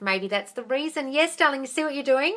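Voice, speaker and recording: A woman speaks in a strong Australian accent with lively intonation. Her tone is bright and sharp. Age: 40s. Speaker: manifestation coach. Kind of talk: live stream Q&A. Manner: fast; animated.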